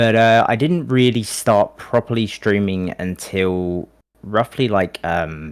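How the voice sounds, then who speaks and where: A man with a British accent, fairly low in pitch with ordinary pitch variation, at a very slow pace in a very clean recording with a silent background. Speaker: streamer. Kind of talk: casual chat. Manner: halting.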